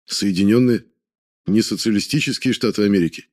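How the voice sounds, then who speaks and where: A man's voice: on the low side, fairly quick, natural voice. A man voicing an inquisitive foreign army major who questions his prisoner closely. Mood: curious. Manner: probing, questioning.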